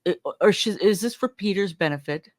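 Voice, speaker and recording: A woman giving casual true-crime commentary as a host, thinking out loud with emphatic, conversational phrasing. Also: mid-range voice, fairly quick. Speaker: podcast host analysing recordings.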